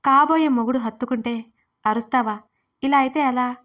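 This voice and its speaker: A woman's voice: sits high, normal speed, a bit bright. A woman voicing a smug, teasing young boss. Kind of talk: audio story reading.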